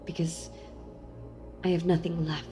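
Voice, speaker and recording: A woman playing a sealed-away female villain in an audio role-play, speaking to the listener tenderly, intimately and with hesitant pauses. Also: on the low side, flat delivery, close to an everyday voice. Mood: hurt, resigned. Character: sealed-away female villain, wistful, softly seductive and enthralled. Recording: long reverb with music behind. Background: music.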